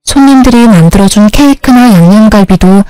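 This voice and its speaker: A woman narrating her own story in a calm, confiding way. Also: mid-range voice, brisk, clean tone, dry recording, soft background music, low-quality recording. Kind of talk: first-person story narration.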